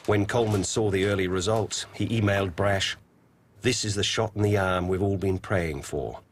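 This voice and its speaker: A man giving even, deliberate scripted documentary narration. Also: low-pitched, slight background noise.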